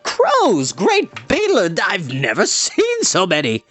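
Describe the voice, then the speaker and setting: A reader doing an excitable wandering bard. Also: medium pitch, brisk, soft background music, voice pushed up. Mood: excited. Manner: exclamatory.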